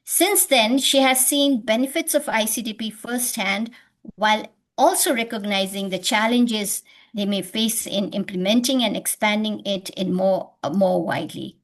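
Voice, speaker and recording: A woman's voice: mid-range voice, moderate pace. Nepali-accented woman hosting a webinar. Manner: hesitant, many fillers. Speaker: webinar host. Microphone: video call.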